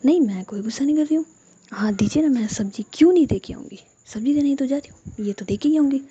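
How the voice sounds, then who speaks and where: A woman's voice: fast, highs cut off, lightly acted. A woman voicing a young woman who keeps pleading with her angry friend, in an emotional, raised voice. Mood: irritated. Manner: pleading, emotional, slightly higher and louder.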